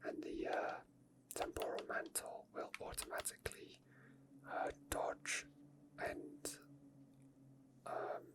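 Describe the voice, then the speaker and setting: A person whispering soft, breathy ASMR commentary over video gameplay, explaining each step as it is done. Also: takes it slowly, long pauses. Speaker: video game streamer.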